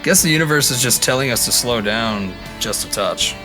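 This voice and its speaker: A man's voice: mid-range voice, lively intonation, normal speed, over music, natural voice, poor audio. A man playing a breezy, easygoing road-trip buddy in an audio drama, playful and exuberant. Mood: easygoing, friendly. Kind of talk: animated audio drama acting.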